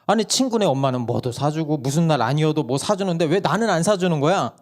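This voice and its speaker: Guy acting out a bratty 8yo boy, hoarse, squeaky high and whiny, keeps arguing. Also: expressive, fast talker, a little mellow, lightly acted. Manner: whiny, argumentative, insistent. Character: pushy little boy, about eight, demanding presents.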